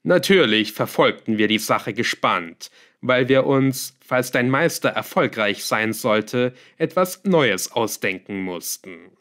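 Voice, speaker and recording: A man's voice: mid-range voice, slow pace. A man doing Melchior, a smug scheming villain. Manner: calm, smug, lightly scornful. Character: scheming male villain, cool and mocking. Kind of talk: audiobook character voice.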